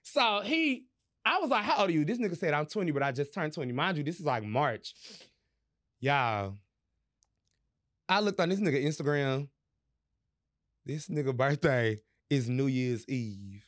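A man hosting a podcast, telling a story in casual chat, animated and profane, laughing as he goes. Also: fairly high pitch, moderate pace, pauses often. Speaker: podcast host.

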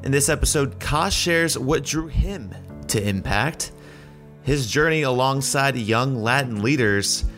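A man hosting a podcast interview, introducing his guest with an energetic countdown and asking questions. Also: medium pitch, a little slow, faint music behind. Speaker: podcast host.

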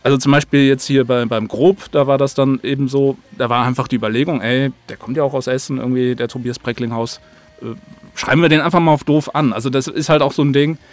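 A man from Germany with a mid-pitched voice speaks as a guest in a relaxed interview. His talk is colloquial and rambles loosely from one thought to the next. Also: fast talker. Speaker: audio drama maker, interview guest. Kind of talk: casual chat.

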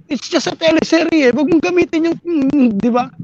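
A man's voice: very high voice, normal speed, a little mellow, no room sound, highs cut off. A man co-hosting a casual talk show, mixing English phrases into his speech and often asking "di ba". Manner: mixes English into talk, repeats "di ba". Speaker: podcast co-host. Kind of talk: casual chat.

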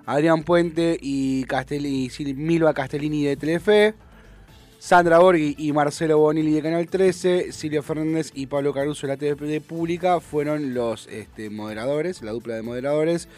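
Hesitant Rioplatense radio host, higher-pitched man. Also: normal speed, a little mellow. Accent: Rioplatense Spanish. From Buenos Aires province, Argentina. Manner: hesitant, restarts and fillers, argumentative. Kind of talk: casual talk radio chat.

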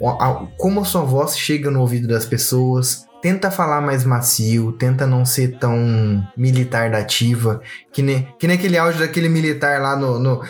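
A man with a Brazilian accent, chatting casually as a podcast co-host, slangy and animated, often mimicking voices for a joke. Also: mid-range voice.

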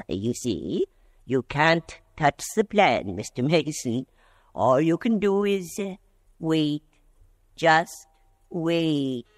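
Radio drama role: courteous, smug retribution man, fussy and hesitant, very animated pitch, dry close sound. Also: very slow, no room sound, heavily acted. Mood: softly menacing. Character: polite, fussy, smug male agent of retribution. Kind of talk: old-time radio drama acting.

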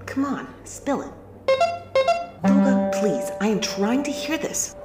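A woman playing an anxious, stubborn, sharp-tongued space courier in an audio drama, talking in a halting, wry, conversational way. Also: a little high, very animated, loud music behind the voice. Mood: frantic, irritated. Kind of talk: audio drama acting with confiding narration.

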